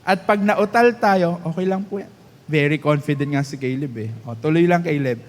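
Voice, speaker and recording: Filipino male pastor, high voice, slow deliberate delivery, long church-hall reverb. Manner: mixes English and Tagalog, drawn-out emphatic phrases. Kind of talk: sermon.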